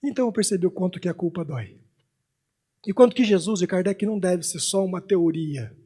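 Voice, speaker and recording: A man at a congress stage, giving a heartfelt lecture built on a personal story, sometimes hushed and sometimes loud. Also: sits high, fairly quick, breathy edge. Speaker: speaker at a Spiritist congress. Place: conference hall stage.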